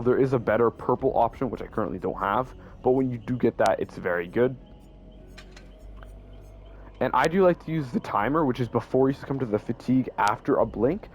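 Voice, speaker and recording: A man's voice: mid-range voice, darkish tone, highs cut off. A young man casually explaining his game builds as a YouTuber, rambling and correcting himself as he goes. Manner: rambling, self-correcting, stutters. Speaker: gaming YouTuber.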